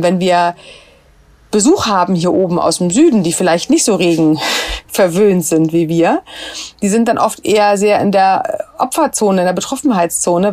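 A woman's voice: lowish voice, darkish tone, no room sound. A woman in her thirties co-hosting a casual parenting podcast, explaining her points with everyday examples. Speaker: podcast co-host.

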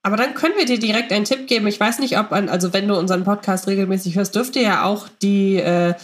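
Mid-pitched woman hosting a podcast. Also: fast talker. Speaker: podcast host. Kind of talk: casual moderated discussion.

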